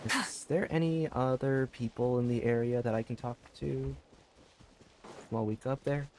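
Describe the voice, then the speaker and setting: A man's voice: medium pitch, normal speed, a little mellow, a little hiss or hum. A man streaming a video game, giving casual, loosely rambling and hesitant commentary. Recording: game music under the voice.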